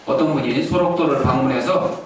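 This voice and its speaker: Male pastor, lively storytelling sermon, distant mic, faint hiss. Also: medium pitch, a little fast, heavy reverb. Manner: animated storytelling preacher. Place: church sanctuary.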